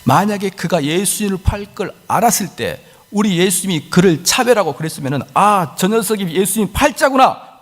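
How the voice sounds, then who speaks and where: A male pastor preaching a sermon in a church, dramatic and full of rhetorical questions. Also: sits high. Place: church sanctuary. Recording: church hall reverb.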